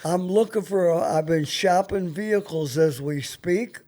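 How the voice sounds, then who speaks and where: Older male talk host, high-pitched and mellow. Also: normal speed. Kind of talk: casual, joking interview chat with profanity.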